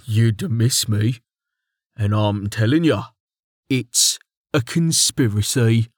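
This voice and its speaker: A narrator voicing Mig, a teasing, slow-witted young male guard who insists on a conspiracy. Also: medium pitch, husky, dry recording, studio quality. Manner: teasing, stubborn conspiracy talk.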